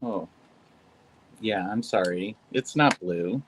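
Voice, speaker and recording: An actress gives a full character voice, extremely low-pitched, animated and slow, as an earnest, anxious trans woman volunteer on a visual-help app call. She helps the caller hesitantly and apologizes constantly with "I'm sorry." The stage play is performed over video call against a noisy background.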